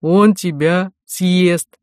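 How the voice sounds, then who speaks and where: A narrator voicing a mocking dream priest in white with magpie wings, speaking louder and higher than the narration, in a dry, close recording. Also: steady tone, drawn-out words, dry recording. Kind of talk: audiobook character voice.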